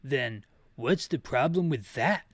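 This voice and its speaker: A man voicing an earnest, defensive action-game hero, reading the dialogue in a deliberate, emphatic way. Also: medium pitch, expressive, no room sound. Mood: urgent, resolute.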